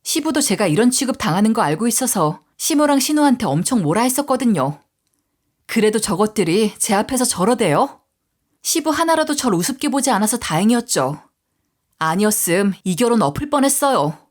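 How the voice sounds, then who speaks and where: A woman's voice: a little high, sing-song, a little fast. A woman narrating a first-person story in an indignant, chatty telling.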